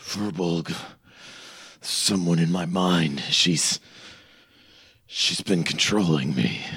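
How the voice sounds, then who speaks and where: In a put-on character voice, a man growls at a very slow pace with a very deep, low pitch, and the audio has an audible echo. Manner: growling.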